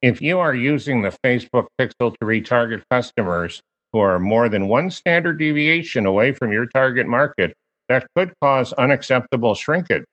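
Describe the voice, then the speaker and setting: A man's voice: medium pitch, moderate pace, dull audio, voice pushed up. A man on a podcast putting on a stiff robot voice to parody jargon-heavy copy. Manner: flat mechanical robot delivery. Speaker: podcast co-host. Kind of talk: conversational podcast talk about copywriting.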